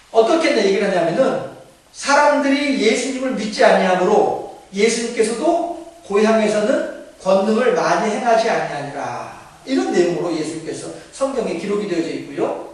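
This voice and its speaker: A high-voiced male pastor delivers a conversational sermon, turning to the congregation with questions and acting out quotations. His voice booms with heavy reverb around a large church sanctuary, picked up from a distant mic. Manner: conversational, engages congregation, acts out quotes. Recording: echoey church hall, mic far off.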